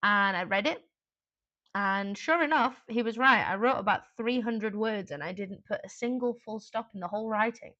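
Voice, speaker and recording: Woman, teacher, casual live-stream lesson, conversational and mid-pitched. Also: moderate pace, bright, forceful tone, muffled recording. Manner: chatty, informal, with frequent fillers and asides. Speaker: English exam teacher.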